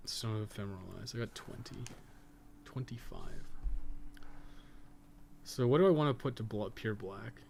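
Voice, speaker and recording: A man's voice: lowish voice, normal speed, vocal fry, pauses often, darkish tone, slight background noise. A man streaming a game, thinking aloud and chatting in a casual, rambling way, muttering to himself and swearing now and then.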